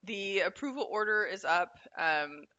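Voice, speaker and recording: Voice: medium pitch, expressive, unhurried, bright, forceful tone, lo-fi sound. A podcast co-host talking in a bubbly, chatty way during a casual conversation. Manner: bubbly and chatty, with many laughs.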